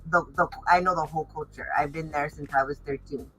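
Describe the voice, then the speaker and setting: Low, bright-voiced woman. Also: steady tone, quick pace, breathy edge, poor audio. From Los Angeles area, United States. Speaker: fashion designer and stylist, interview guest. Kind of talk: casual interview chat.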